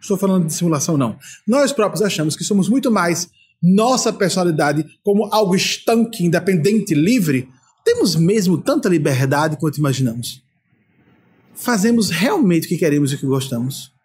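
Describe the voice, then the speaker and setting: A man's voice: high voice, expressive, normal speed, a little mellow, a little hiss or hum. An older man from Brazil, a spiritual leader giving an emphatic talk full of rhetorical questions.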